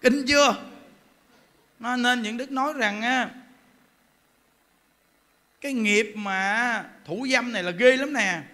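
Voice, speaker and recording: High, bright-voiced preaching monk. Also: male voice. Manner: emphatic, animated storytelling with rhetorical questions. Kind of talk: sermon.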